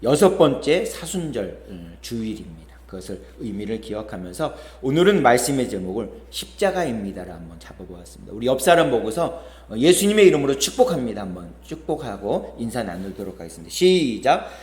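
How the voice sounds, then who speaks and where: A man's voice: on the low side, very animated, brisk, hardly any pauses, a little mellow, echoey room. A male pastor preaching a sermon, telling stories with quoted voices and rising, falling emphasis. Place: church sanctuary.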